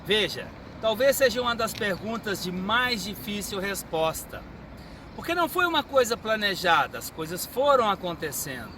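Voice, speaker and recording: A Brazilian man in his fifties, a forensic medical examiner, answering interview questions in a measured, teaching manner. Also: high-pitched, very animated, sharp tone. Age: 50s. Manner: measured, didactic. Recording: street and car noise behind.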